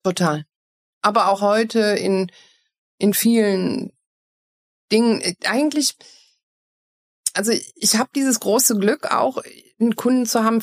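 A woman's voice: medium pitch, a little mellow. A woman from Eupen in Belgium with an East Belgian German accent, a guest talking openly and reflectively in an interview, often restarting her sentences. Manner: frank, reflective, with many restarts. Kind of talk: personal interview conversation. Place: Cologne.

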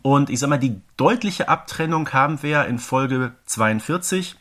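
A man's voice: mid-range voice, animated, normal speed, a bit bright. A man co-hosting a podcast, chatting casually and giving his opinions on an audio drama series. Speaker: podcast co-host.

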